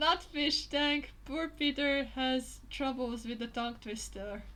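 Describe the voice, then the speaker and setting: The voice is raised and projected, bright and sharp in tone. It moves at a very slow pace with ordinary pitch variation. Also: woman, high pitch for a woman. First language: Hungarian. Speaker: streamer and artist. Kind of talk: casual live stream chat. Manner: halting, searching for words.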